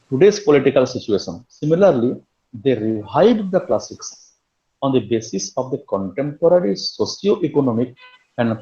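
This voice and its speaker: An Indian university lecturer gives an online literature lecture, working through his points one at a time and frequently starting over. His voice is medium in pitch and mellow, with the high frequencies cut off.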